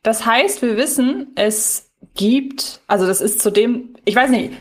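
A woman's voice: fairly high pitch, measured pace. A woman co-hosting a podcast in casual discussion, speaking in wordy, circling sentences. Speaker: podcast co-host. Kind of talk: casual podcast discussion of an audio drama episode.

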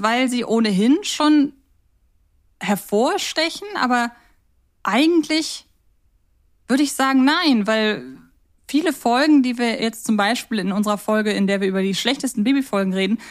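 A woman co-hosting a podcast, chatting casually in a reflective, questioning way. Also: fairly high pitch. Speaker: podcast co-host. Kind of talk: casual podcast chat about audio dramas.

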